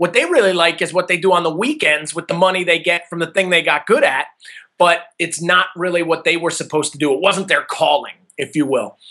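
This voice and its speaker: In a quiet background, a man talks at a fairly quick pace with a bright, sharp, energetic tone. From US, New Jersey. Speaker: fitness company founder and CEO. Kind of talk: interview. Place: office. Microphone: video call.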